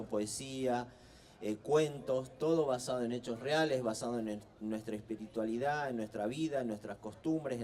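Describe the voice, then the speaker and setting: A man's voice: medium pitch, darkish tone, slight background noise. Earnest man, heard from afar. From Humahuaca, Jujuy, northwest Argentina. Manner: earnest, slow, halting with many fillers and restarts. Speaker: writer and guest speaker. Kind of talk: public talk at a book fair. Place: outdoor plaza at a book fair. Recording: distant outdoor recording.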